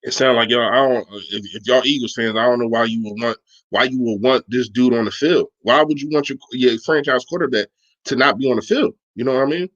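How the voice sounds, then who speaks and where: A man in casual sports podcast talk, speaking in a medium-pitched voice. He argues his points with emphatic, slangy conviction. He keeps answering his live chat as he talks. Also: fairly quick, fairly bright tone, lo-fi sound.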